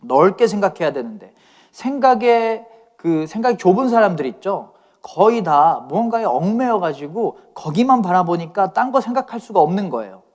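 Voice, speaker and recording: A man's voice: high voice, big pitch swings, normal speed, a little mellow. A man pastor giving a conversational youth sermon, often asking his listeners questions.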